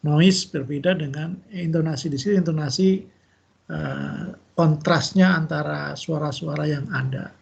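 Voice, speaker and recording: A male lecturer giving relaxed, chatty feedback to students in an online class, with many fillers and tag questions. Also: on the high side, unhurried, vocal fry, slightly rough, dull audio. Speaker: university lecturer.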